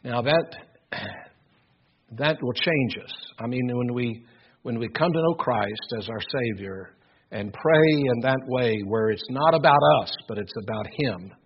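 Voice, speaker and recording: An older male preacher with a loud, husky voice delivers an earnest sermon. He presses his points with emphatic repetition. The recording sounds dull and lo-fi. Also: mid-range voice, measured pace. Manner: earnest, emphatic, repeats words while building points.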